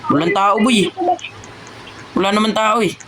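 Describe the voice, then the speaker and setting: An excitable gamer host throws out rapid, repeated commands during a game role-play. The voice sits at an ordinary pitch, and the home recording carries a steady hiss of noise. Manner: shouts quick commands, repeats words.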